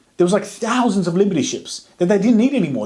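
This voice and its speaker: The speaker is a man with an Australian accent. His voice has a dark, mellow tone. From Greek Australian. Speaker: podcast host. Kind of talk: casual podcast talk to camera.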